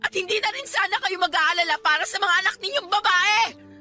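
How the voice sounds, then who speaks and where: A woman's voice: extremely high pitch, a little fast, over music. An actress playing a wronged young female employee in a radio drama, indignant and assertive while still polite. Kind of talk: Tagalog radio drama acting.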